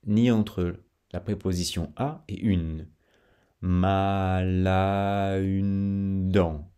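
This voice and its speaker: Slow, deep-voiced man teaching pronunciation. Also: a little mellow. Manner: careful, syllable-by-syllable articulation, repeating phrases slowly. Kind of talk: pronunciation lesson with model sentences to repeat.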